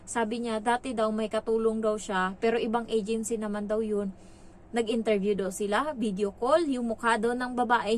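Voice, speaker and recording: A woman's voice: a little high, slight background noise. A woman from the Philippines, a domestic worker abroad, telling a story to her channel in a chatty, gossipy way, full of filler words. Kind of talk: casual vlog storytelling.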